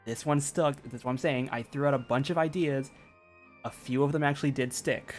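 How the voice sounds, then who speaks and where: A woman game streamer with an extremely low voice gives casual reaction commentary. She rambles emphatically, with soft music playing behind her. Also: steady tone, fairly quick.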